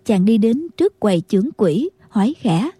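A woman narrating a martial-arts novel as an audiobook, in a steady storytelling manner. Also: mid-range voice, normal speed, breathy edge, dry recording.

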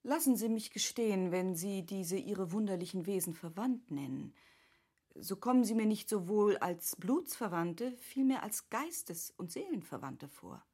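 Refined curious lady, bit husky, mid pitch, polite formal wording, old radio drama. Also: animated, a little slow, dark tone. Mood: thoughtful, engaged. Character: gracious, articulate, curious lady of Goethe's era. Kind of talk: classic German radio play acting.

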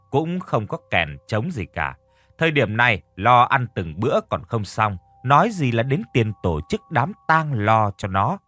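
A man narrates a scripted horror tale with a lively, animated pitch. His voice is close and dry, with soft music beneath. He tells it steadily, slipping into the characters' lines. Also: no room sound. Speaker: audio story narrator.

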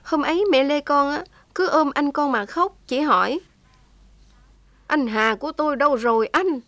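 A woman's voice: high-pitched, normal speed, fairly bright tone, dry recording, pitched above the performer's own voice. A woman voicing a young heroine who is daring and tender, pleading with feeling. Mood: tender, tearful. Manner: impassioned, tearful pleading.

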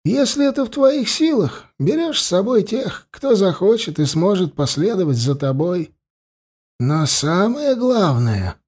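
A man voicing a calm, scheming old male high priest who speaks with soft, measured insistence. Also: husky, heavily acted. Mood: insistent.

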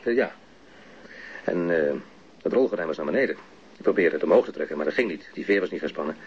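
An actor playing a plain-spoken, unsure policeman giving testimony in a radio drama, hesitant and matter-of-fact, with a husky, raspy voice. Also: deep voice, animated, quick pace, heavily acted. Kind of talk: naturalistic radio drama dialogue. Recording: muffled radio drama recording.

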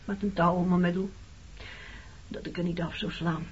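A woman's voice: on the low side, fairly even intonation, normal speed, a little hiss or hum, lightly acted. An actress playing a weary, defensive woman in her thirties, haunted by her wartime past, in a radio play. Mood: weary, sad. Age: 30s. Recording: dull old radio play recording.

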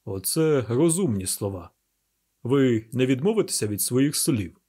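A man voicing a gruff, stubborn police inspector who grumbles and talks slowly and heavily. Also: medium pitch, lively intonation, warm tone. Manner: gruff, grumbling, slow and heavy.

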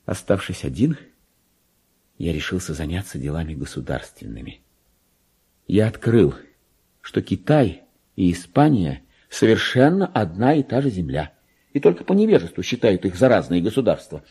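An actor playing a deluded clerk who believes he is a king, in a pompous, erratic, theatrical radio monologue that swings from hushed to shrill. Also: very animated, normal speed, breathy edge, exaggerated voice. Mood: self-important. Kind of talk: dramatic literary monologue, Russian radio play.

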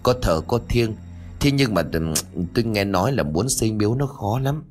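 A man voicing a cautious old father who speaks hesitantly, with sighs and pauses. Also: lowish voice, lively intonation, darkish tone, faint music behind, natural voice. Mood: resigned. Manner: hesitant, sighing.

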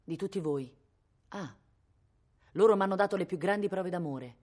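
A woman's voice: on the low side, normal speed, darkish tone, natural voice. A woman reading aloud, voicing a haughty, capricious young noblewoman who sounds cool and teasing. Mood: cold.

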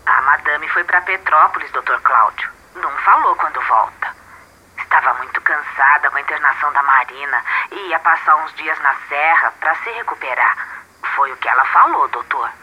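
Brazilian housemaid on the telephone. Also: female voice, sits low, lively intonation, moderate pace, breathy edge. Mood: matter-of-fact, deferential. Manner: deferential, colloquial. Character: simple, respectful, affectionate female housemaid. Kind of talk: radio drama acting. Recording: dull telephone line with faint noise.

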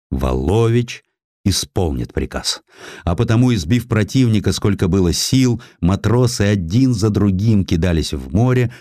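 A man narrating historical prose as an audiobook, with a measured, expressive and dramatic literary delivery. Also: sits low, dry recording, clean studio sound. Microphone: close studio microphone.

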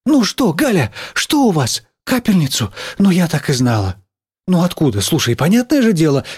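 A man reading an audiobook, voicing a middle-aged woman schoolteacher who is excitable and quick to anger, in a raised, shrill, scolding voice. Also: husky, no room sound, studio quality. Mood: fussing. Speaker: teacher.

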